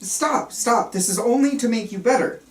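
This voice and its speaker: A woman's voice: fairly high pitch, moderate pace, close to an everyday voice. A woman playing an earnest, controlling male psychiatrist at a script table read, stumbling slightly and speaking clinically and insistently. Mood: alarmed, urgent. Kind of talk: table reading of a film script. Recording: roomy, distant mic, faint room noise.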